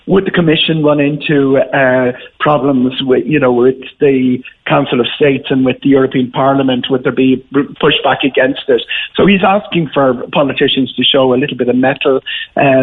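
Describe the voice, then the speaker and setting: An Irish man speaks as a guest analyst on a radio show, heard through a narrow phone-like connection. His voice is husky, and he explains things off the cuff, pausing and repeating words as he builds each point. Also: mid-range voice, steady tone. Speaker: travel commentator, radio guest. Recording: muffled phone-like line on radio.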